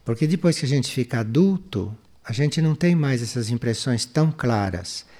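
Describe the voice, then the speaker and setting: A Brazilian man speaks in a mid-pitched voice as a spiritual teacher. His delivery is measured and explanatory. He takes questions and answers them in a didactic way, as in a spiritual talk. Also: expressive, warm tone.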